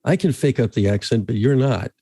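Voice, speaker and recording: A man's voice: mid-range voice, moderate pace, dark tone, no room sound. A man hosting a podcast interview, talking in a casual, joking way with chuckling asides. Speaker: podcast host.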